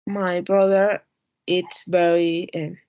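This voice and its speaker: A woman student answering English exercises hesitantly, with pauses and fillers. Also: fairly low pitch, flat delivery, smooth, dry recording, lo-fi sound.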